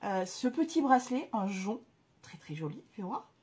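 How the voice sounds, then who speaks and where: A woman's voice: mid-range voice, big pitch swings, normal speed, noisy background. A woman vlogger chatting casually to camera about jewelry she is unboxing, gushing in slangy exclamations with many fillers. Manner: frequent hesitation fillers.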